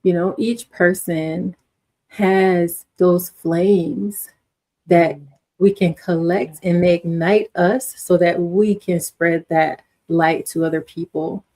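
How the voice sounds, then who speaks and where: In a conversational interview, a woman with a lowish, steady, darkish voice questions her guest. She speaks slowly, asking thoughtful questions in an affirming way.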